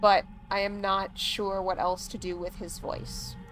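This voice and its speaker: A woman's voice: mid-range voice, little pitch movement, measured pace, fairly bright tone, faint music behind. A woman chatting casually on a gaming livestream, rambling along with plenty of "like" and "um". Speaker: streamer.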